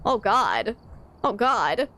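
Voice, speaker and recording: Her voice sits at medium pitch, sing-song and pushed-bright, with drawn-out words. Streaming a video game, she chats easily with her audience, laughing often and reading out what they type in chat.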